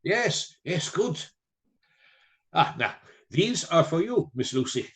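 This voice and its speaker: Older Germanic professor, slightly high voice, grave, commanding, fatherly, theatrical radio drama. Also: sing-song, slow pace, full character voice. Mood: fatherly, measured. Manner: stilted foreign phrasing, commanding yet fatherly.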